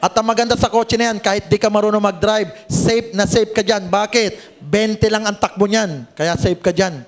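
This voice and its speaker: High-voiced man joking through a sales seminar. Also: steady tone, moderate pace. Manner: joking, teasing the audience, asks "Tama?" often. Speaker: networking seminar presenter. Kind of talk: sales pitch with jokes to a live audience. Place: seminar room with audience.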